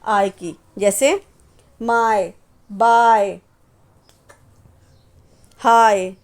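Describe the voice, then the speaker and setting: A woman's voice: mid-range voice, steady tone, extremely slow. A woman teaching English phonetics, patiently repeating example words and asking and answering her own questions. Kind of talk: phonetics lesson explaining symbols.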